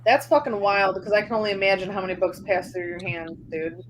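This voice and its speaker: A woman's voice: medium pitch, quick pace, a little hiss or hum, poor audio. A woman hosting a casual panel, enthusiastic and swearing freely. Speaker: show host. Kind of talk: casual chat.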